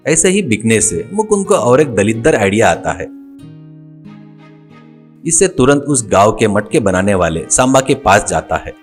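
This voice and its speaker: A man narrating a cartoon story in a plain, steady storytelling manner. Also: mid-range voice.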